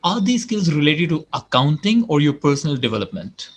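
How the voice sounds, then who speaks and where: A man's voice: fairly high pitch, very animated, brisk. A man hosting an interview, asking questions and encouraging his guest with frequent murmured acknowledgements. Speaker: interviewer, host.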